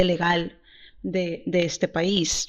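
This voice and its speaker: A woman speaks in a medium pitch. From Texas. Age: 40s. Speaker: regional party director. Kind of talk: interview.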